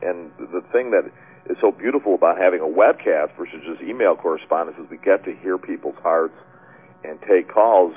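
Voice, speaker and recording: A man's voice: sits low, slightly rough. A man hosting a call-in webcast, chatting casually with many fillers. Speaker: webcast host. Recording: tinny phone-line sound.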